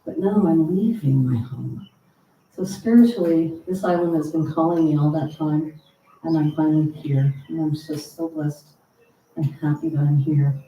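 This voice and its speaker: Warm and low-pitched, this American service host talks at a normal pace, delivering church announcements and greeting visitors in a heartfelt, sincere way. The sound is roomy and picked up from afar, with a slight hum underneath.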